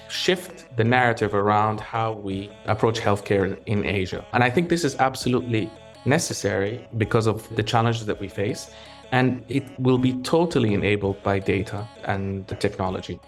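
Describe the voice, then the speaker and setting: A middle-aged man from Egypt, a pharmaceutical executive, talking in an interview in a measured, reflective way with frequent restarts. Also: on the low side. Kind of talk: interview conversation.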